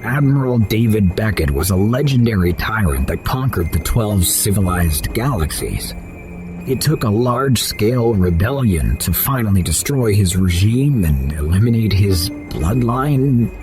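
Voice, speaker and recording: An actor playing a proud alien fish-folk mercenary in an audio drama, speaking in a terse, guarded way. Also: male voice, on the low side, animated, a little slow, over music. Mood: stern.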